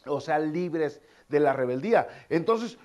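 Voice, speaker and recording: Male pastor, fairly high voice, delivering a sermon in a loose, conversational way with casual asides. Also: lively intonation, measured pace. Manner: conversational preaching with colloquial asides and repeated phrases.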